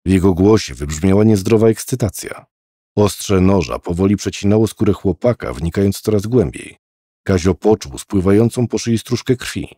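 A man narrating a horror audiobook in a measured, dramatic storytelling manner. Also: low voice, lively intonation, warm tone, slightly rough, no echo, studio quality. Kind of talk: scripted narration.

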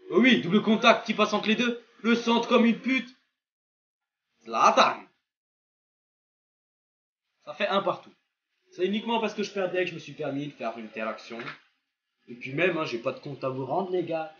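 A young man gives casual, excited commentary on a football video game, slangy and prone to swearing and exclaiming at plays. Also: mid-range voice, slight background noise. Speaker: gaming video creator playing a football game. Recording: dull lo-fi voice track with music behind.

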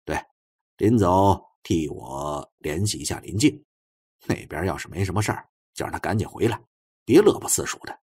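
A man voicing a sharp-witted male supernatural detective chief in an audiobook, quick, offhand and commanding. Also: low-pitched, expressive, slightly rough, voice pushed down, exaggerated voice. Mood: brisk, bossy.

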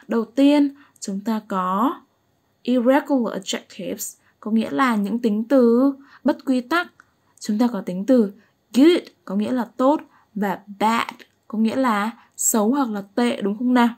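Slow, patient woman teaching English. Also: fairly high pitch, darkish tone. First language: Vietnamese. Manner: patient, keeps asking "right?" to check understanding. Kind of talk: slow explanatory lesson.

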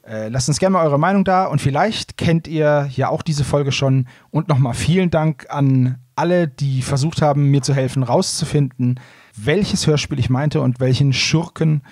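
A man's voice: on the high side, moderate pace, a little mellow, no echo, studio quality. A man hosting a podcast, chatting casually about audio dramas. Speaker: podcast host.

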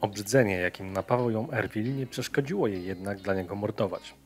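Man, low voice, scripted true-crime narration, measured storyteller, guitar music behind.

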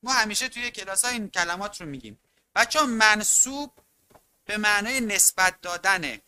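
A teacher giving an online exam-prep literature lesson, stressing key terms by drawing them out slowly and calling often on the students. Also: mid-range voice, expressive, bright, forceful tone, clean tone. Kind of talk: online class lecture.

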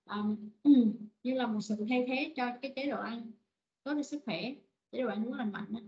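A woman teaching an online vocabulary lesson, repeating words slowly and explaining in short phrases. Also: on the high side, highs cut off. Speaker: English teacher.

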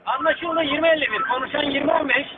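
A man's voice: very high voice, quick pace. A man working as a radio dispatcher over a walkie-talkie, calling out unit codes and giving terse, urgent orders. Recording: tinny radio with static.

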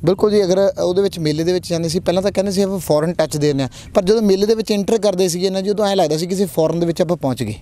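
A man's voice: on the high side, dark tone. A young man with a Punjabi accent, a dairy farmer giving an earnest outdoor interview and repeating his points. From Punjab, India. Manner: earnest, repeats phrases, rallying young people. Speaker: prize-winning dairy farmer. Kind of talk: on-camera interview. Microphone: handheld mic held by interviewer.

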